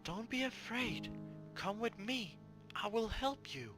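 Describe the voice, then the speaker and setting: A man voicing a mysterious, friendly guide in a visual novel, speaking in a soft, coaxing way. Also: sits high, sing-song, slow pace, music in the background, voice pushed up, exaggerated voice. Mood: gentle, coaxing. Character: mysterious, gentle, friendly voice calling in a forest.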